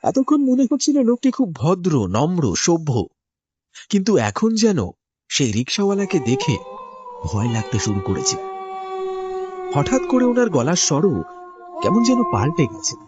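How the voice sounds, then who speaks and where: A man's voice: high voice, huge pitch swings, moderate pace, pauses often, lo-fi sound. A man narrating a horror cartoon in the first person, in a tense, dramatic storytelling manner. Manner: tense, storytelling delivery with sudden rises.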